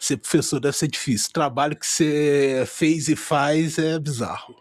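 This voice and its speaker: The speaker is a man with a fairly high voice. He keeps his intonation fairly even. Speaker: tech content creator. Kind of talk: casual chat. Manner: slow.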